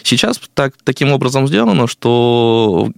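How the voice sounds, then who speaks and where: A man's voice: medium pitch, very animated, measured pace, creaky, darkish tone, no echo, studio quality. A man from China, a non-native speaker of Russian, explaining things as a guest in a radio interview. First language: Chinese. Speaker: guest, interpreter and Chinese community representative. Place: radio studio.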